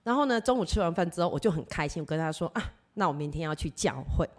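A woman's voice: sits low, expressive, quick pace. A woman telling her personal faith testimony in an earnest storytelling way, acting out the dialogue she quotes. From Taiwan. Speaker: church member giving testimony.

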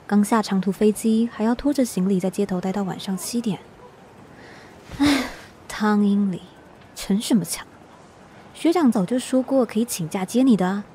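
A woman's voice: medium pitch, normal speed, pauses often, mellow, a little hiss or hum, lightly acted. An actress with a Taiwanese accent playing a weary, independent young woman in a radio drama, musing to herself. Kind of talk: radio drama acting, inner monologue.

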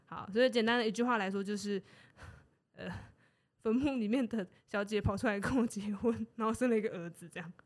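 A woman's voice: mid-range voice, brisk. A woman co-hosting a casual podcast, retelling an old story with laughs and playful acted-out lines. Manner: lively, acts out characters' lines with laughs. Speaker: podcast co-host.

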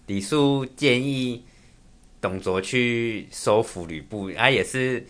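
A man's voice: medium pitch, slow, a bit bright. A man, co-hosting a casual chat with laid-back jokes and frequent agreement. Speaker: podcast co-host. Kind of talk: casual chat retelling a classic novel.

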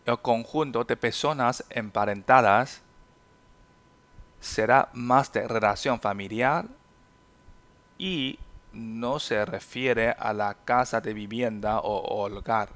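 A man whose first language is Chinese teaches a podcast language lesson, explaining words patiently and saying example sentences slowly and carefully. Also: medium pitch, a bit bright.

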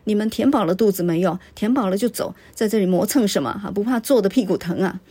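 A woman's voice: mid-range voice, expressive, quick pace, dark tone, breathy edge. Woman doing a brutish salt smuggler bully. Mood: scornful. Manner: menacing, coarse swaggering threats.

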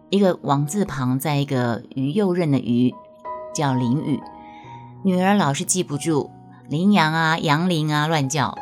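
Low-voiced Taiwanese Mandarin woman storyteller. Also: a little mellow. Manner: playful, self-mocking storyteller. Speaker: podcast host. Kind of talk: reading her own personal essay with chat.

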